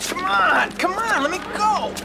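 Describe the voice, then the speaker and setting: An actor playing an eager young radio actor, anxious and stammering, in a television drama. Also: male voice, very high voice, expressive, a little slow, creaky, noisy background, exaggerated voice. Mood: pleading. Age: young adult. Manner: stammering, nervous.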